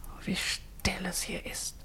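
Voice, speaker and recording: An actress playing a weary, homesick exiled wife in a radio drama, with a hushed, wistful delivery and dramatic pauses. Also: female voice, whispered. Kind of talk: mid-century German radio drama acting.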